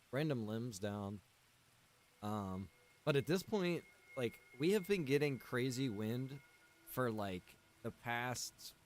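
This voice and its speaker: A man livestreaming from a room at home, chatting casually with his viewers in a rambling way full of "like" and "man". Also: medium pitch. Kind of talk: casual chat with stream viewers.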